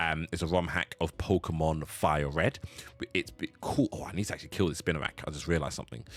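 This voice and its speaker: In a British accent, a man talks at a very fast pace with a very deep, low pitch and ordinary pitch variation, the sound dry and close with no echo. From UK, London. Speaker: gaming streamer. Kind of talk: live game stream chat. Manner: casual, chatty.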